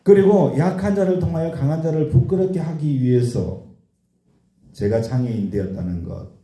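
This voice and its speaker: A man's voice: fairly high pitch, moderate pace, warm tone. A man in his sixties preaching a sermon, repeating key words for emphasis and acting out anguished questions to God. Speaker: pastor. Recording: echoey room.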